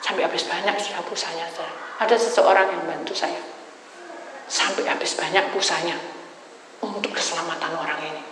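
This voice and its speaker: A woman pastor preaching a testimony sermon. She tells her story to the congregation and swings from loud to hushed. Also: fairly low pitch, steady tone, a little fast. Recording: echoey hall with background noise.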